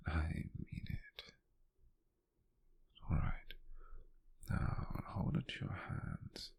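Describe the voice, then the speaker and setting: Man playing a husky, whispering British wizard sweetheart. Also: sits low, heavily acted. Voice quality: breathy, husky near-whisper. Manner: tender, hesitant, softly teasing. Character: gentle, doting young male wizard sweetheart. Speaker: ASMR roleplay performer. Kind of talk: ASMR roleplay, intimate whispering.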